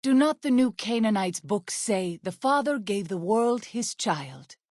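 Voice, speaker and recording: An actress playing an earnest, devout tribal midwife and healer in a video game, speaking in formal, measured, reverent phrases. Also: female voice, medium pitch, lively intonation, a little mellow, no room sound, studio quality, close to an everyday voice. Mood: reverent, explaining. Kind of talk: video game character dialogue.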